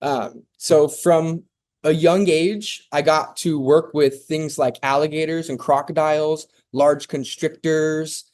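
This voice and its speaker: Male interview guest from Oklahoma, fairly high voice, easygoing and rambling, lots of "um"s. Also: takes it slowly. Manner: relaxed and rambling, with many "um"s and "and stuff". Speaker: guest, zoo founder. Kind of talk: casual interview talk.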